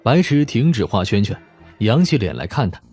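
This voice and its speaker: A man's voice: lowish voice, big pitch swings, normal speed, darkish tone, slightly rough, faint music behind. A man reading a dramatic scripted audiobook narration.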